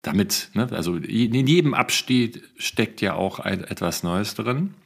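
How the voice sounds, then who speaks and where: A man's voice: on the low side, expressive, a little slow, gravelly, husky. A man with a German accent, co-hosting a podcast in casual chat, rambling a little with restarts. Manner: chatty, rambling with restarts, laughs often. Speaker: podcast co-host.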